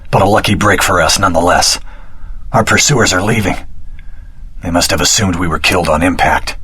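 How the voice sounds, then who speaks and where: An actor playing an earnest, determined young hero in a video game, with a dramatic, heroic delivery. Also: male voice, deep voice, fairly quick, bright, forceful tone, slightly rough, exaggerated voice. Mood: urgent.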